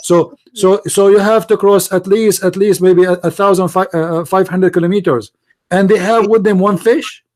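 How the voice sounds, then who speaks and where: A man's voice: high voice, fairly even intonation, moderate pace, a little mellow. A man with an Arabic accent, a native Arabic speaker, hosting a heated religious debate in a confrontational, insistent way, repeating his phrases and questions. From Middle East.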